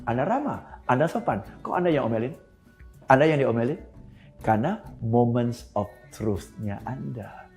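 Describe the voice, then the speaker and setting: A man teaching a customer service lesson, animated, laughing often and slipping into English phrases. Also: mid-range voice, moderate pace, soft background music. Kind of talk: recorded training lesson.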